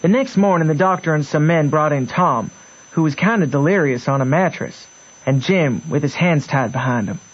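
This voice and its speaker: A man's voice: fairly high pitch, normal speed, highs cut off, natural voice. A man playing a plainspoken, unschooled Southern boy telling his story in a radio drama. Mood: folksy, wry. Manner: folksy, storytelling.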